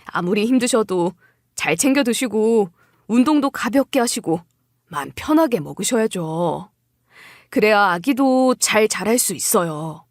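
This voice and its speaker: A woman voicing a caring doctor in a story drama, gentle and encouraging with a patient. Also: mid-range voice, lively intonation, unhurried, dry recording, studio quality. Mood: concerned. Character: caring, reassuring doctor speaking to an expectant mother.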